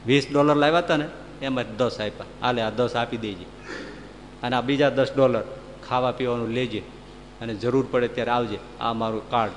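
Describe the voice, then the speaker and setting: A man voicing a calm, kind lawyer who speaks gently and reassuringly. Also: mid-range voice, a little fast, in a large hall, a little hiss or hum, pitched below the performer's own voice, close to an everyday voice, poor audio. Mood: gentle.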